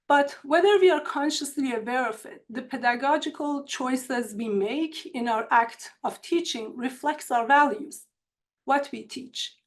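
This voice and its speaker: A woman with an Iranian accent presents to colleagues in an online seminar, speaking in a measured, earnest way from prepared remarks. Her voice sits a little high for a woman. It comes through a computer mic on a video call. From Iran. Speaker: university instructor. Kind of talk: academic webinar presentation.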